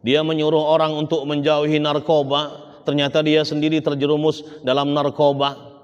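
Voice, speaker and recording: A man giving a sermon as an Islamic preacher, often turning to his listeners and swinging between loud emphasis and hushed tones. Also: on the high side, completely flat delivery, normal speed, clear, resonant tone, muffled recording. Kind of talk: sermon to a congregation. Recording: long hall reverb.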